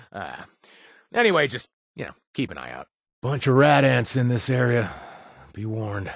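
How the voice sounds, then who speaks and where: A cocky wasteland survivor trades bad puns and chuckles at every one of them. His husky, low voice swings up and down with lively energy. The studio take sounds dry and close. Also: dry recording, heavily acted. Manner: cracks puns and laughs at his own jokes. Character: wisecracking male wasteland survivor, pun-loving, cocky. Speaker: game companion character.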